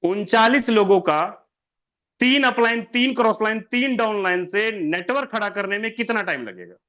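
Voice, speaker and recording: A man's voice: high-pitched, lively intonation, normal speed, dull audio. A man giving a sales presentation over an online meeting, repeating each figure and firing rhetorical questions at listeners he keeps calling sir. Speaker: business presenter.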